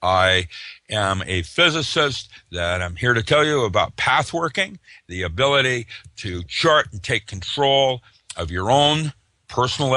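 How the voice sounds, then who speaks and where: A man's voice: medium pitch, bright, forceful tone, no echo. An older man talking as an interview guest, rambling loosely with lots of "uh" fillers and restarts. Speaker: interview guest, author and physicist. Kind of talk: casual interview talk.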